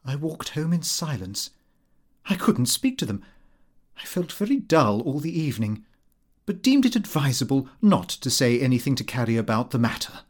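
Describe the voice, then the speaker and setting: Man giving a very animated diary reading. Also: mid-range voice, moderate pace. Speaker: audiobook narrator. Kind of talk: animated scripted narration of a comic Victorian diary.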